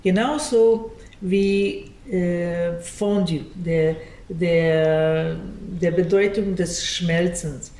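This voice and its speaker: A Russian-native woman from Canada, older, explaining patiently in a radio interview and often pausing to search for words. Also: fairly low pitch, steady tone, mellow. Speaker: ballet school director. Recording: distant, roomy, faint ambience.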